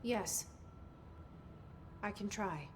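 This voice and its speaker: A woman's voice: medium pitch, extremely slow, a little hiss or hum. An actress playing a reserved, determined young woman in a video game cutscene, serious and guarded in her speech. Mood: hesitant.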